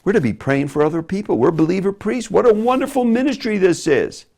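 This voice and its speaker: A man giving a teaching lecture on preaching delivery, animated and demonstrative, dropping from loud emphasis to hushed asides. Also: sits high, fairly quick, gravelly. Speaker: Bible teacher.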